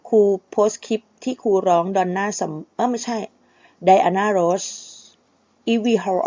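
A woman's voice: medium pitch, normal speed, warm tone, no echo, lo-fi sound. A woman singing teacher who gives a patient, polite lesson and sings short phrases to show how English words are pronounced. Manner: demonstrates English pronunciation by singing and spelling out words; patient, polite, with frequent na kha and kha.

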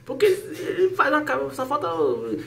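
A man's voice: very high voice, wildly swooping pitch, a little fast, vocal fry, noisy background. A man with a Brazilian accent talking at home in a late-night vlog, chatty and rambling, with many fillers and repeated words. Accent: Brazilian Portuguese. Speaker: vlogger.

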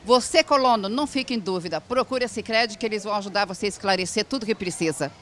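A woman's voice: medium pitch, fast talker, a bit bright, a little hiss or hum. A middle-aged woman, hosting a variety show, chatty and affirming while interviewing at an indoor event stand on a handheld mic.

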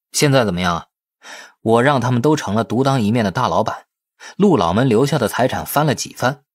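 A man's voice: mid-range voice, husky, no echo, clean studio sound. A man voicing a cocky, teasing young businessman in an audiobook, glib and mock-innocent.

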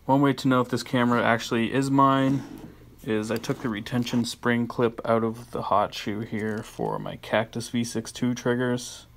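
A camera vlogger talks casually and offhandedly in a home vlog shot on a handheld cell phone, grumbling a little now and then. His mid-range voice is expressive at a moderate pace, with slight background noise.

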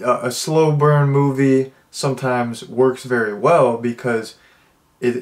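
Young man, congested nose, loose rambling reviewer, medium pitch. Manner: rambling, many restarts and fillers. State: stuffed-up nose. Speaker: movie reviewer. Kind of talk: casual spoken review, thinking out loud.

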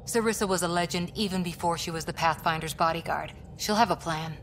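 A determined soldier lieutenant. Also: female voice, lowish voice, brisk, a little hiss or hum. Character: tough female military lieutenant, driven and loyal. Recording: game audio with soft music behind.

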